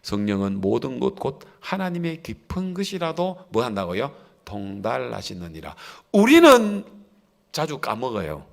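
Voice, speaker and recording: Korean pastor preaching, lively pitch. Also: male voice, gravelly. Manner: emphatic preaching with rhetorical questions to the congregation; swings between loud exhortation and low drawn-out endings. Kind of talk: sermon. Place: church sanctuary.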